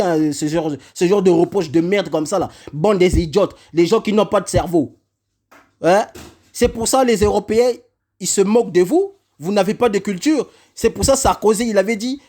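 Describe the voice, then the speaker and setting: Brief: vlogger, male, high pitched, heated repetitive rant. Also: darkish tone. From Congo. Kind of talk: angry rant to camera.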